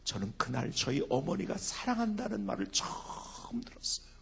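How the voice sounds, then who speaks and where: A middle-aged man preaching at a revival meeting, telling a personal story and swinging from hushed whispers to loud, impassioned cries. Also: high-pitched, big pitch swings, moderate pace, gravelly, a little hiss or hum. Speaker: pastor. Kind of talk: revival sermon.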